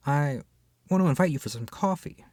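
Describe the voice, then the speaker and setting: A performer in a scripted audio roleplay, speaking to the listener as a flustered, opinionated book club member, expressive and hesitant with sighs and whispered asides. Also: mid-range voice, a little fast, no room sound, clean studio sound. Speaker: ASMR roleplay voice actor. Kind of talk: scripted audio roleplay, acted as one side of a conversation addressed to the listener.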